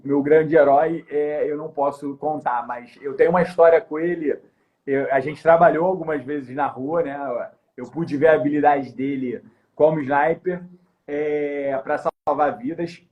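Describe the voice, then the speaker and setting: A former elite police officer, appearing as a guest on a podcast, tells a story during a casual interview. This high-voiced man from Rio is an animated storyteller who acts out the voices and shouts in his tale.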